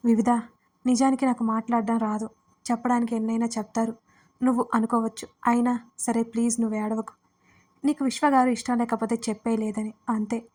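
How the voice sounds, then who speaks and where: A woman's voice: on the high side, flat delivery, a little fast, mellow, lightly acted. A woman voicing an anxious, caring young woman who pleads with a tearful friend, in a storybook reading. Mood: pleading. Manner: pleading, worried.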